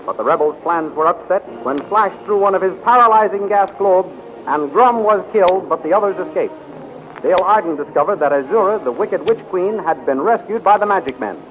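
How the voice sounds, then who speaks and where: A man's voice: sits high, background noise. A man narrating a 1930s radio adventure serial as its announcer, dramatic and declamatory. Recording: dull, vintage 1930s radio recording.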